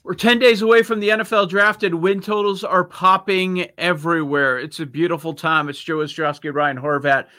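Bright-voiced Chicago man hosting a betting show. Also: on the high side, fairly even intonation. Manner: quick, joking, restarts often. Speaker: sports betting podcast host. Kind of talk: casual sports talk.

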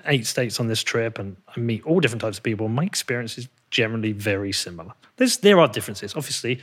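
A man's voice: medium pitch, expressive, fast, fairly bright tone, breathy edge. A man with a British accent hosting a podcast, chatting in a casual, blunt and informal way. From Britain. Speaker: podcast host. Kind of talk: casual interview chat.

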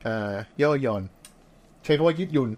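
A man co-hosting a casual podcast, explaining ideas through analogies and pausing to search for the right word. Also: on the high side, crowd noise. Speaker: podcast co-host. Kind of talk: casual chat.

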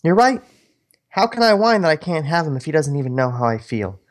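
Man putting on a wistful young woman, pitched up. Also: very animated, brisk. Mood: resolved. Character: heartbroken young woman, wry and self-pitying.

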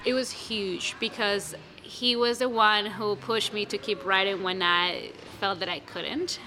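A young woman speaking English as a second language, answering interview questions about her play in a lively, casual way with many restarts. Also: medium pitch, a little slow, soft background music. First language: not English. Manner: animated, many restarts and fillers. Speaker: playwright guest.

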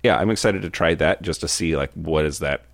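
A man's voice: extremely low pitch, a little fast, creaky, no room sound. A man co-hosting a casual podcast chat, eager and upbeat, blunt in his jokes. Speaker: podcast co-host.

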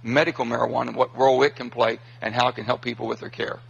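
Man, politician, unscripted remarks, creaky raspy voice, medium pitch, halting folksy phrasing. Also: flat delivery, highs cut off.

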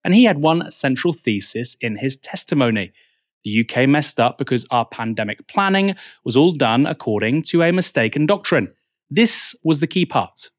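A man's voice: mid-range voice, animated, moderate pace, no echo. A male news host delivers scripted presentation in a mid-range voice. The sound is very dry, with no room around it.

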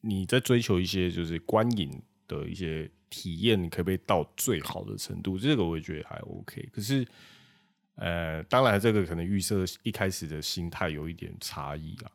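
A man's voice: deep voice, moderate pace, gravelly, no room sound. A man with a Taiwanese accent chatting casually as a podcast co-host. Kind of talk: casual chat.

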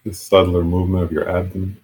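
Husky, low man guiding meditation. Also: level tone. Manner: halting, unscripted, gentle instruction with long pauses. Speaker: meditation teacher. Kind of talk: guided meditation.

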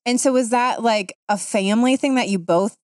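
A woman's voice: a little high, moderate pace, a little mellow, no echo, studio quality. A woman from Ohio hosting a casual interview, asking long, meandering questions full of fillers. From Ohio, United States. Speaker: host.

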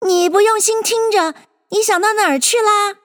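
A woman's voice: very high-pitched, moderate pace, a bit bright, big-room sound, pitched above the performer's own voice. A woman voicing a touchy, easily offended male mouse in a storybook reading, speaking snappishly. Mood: furious. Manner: snappish, indignant.

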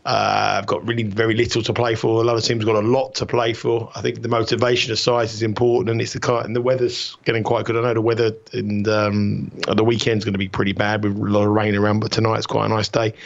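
A man, hoarse and croaky from a cold, giving soccer betting analysis as a guest with many fillers and restarts. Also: lowish voice, level tone, fast talker, few pauses. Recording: dull lo-fi remote line.

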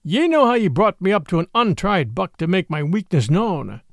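Guy playing an old tired wolf chief, solemn and proud, high gravelly voice that swings around. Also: big pitch swings, no echo, studio quality, full character voice. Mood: solemn, weary. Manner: solemn, measured, old-fashioned speech. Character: old weary male wolf leader, proud, dignified. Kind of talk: storybook reading.

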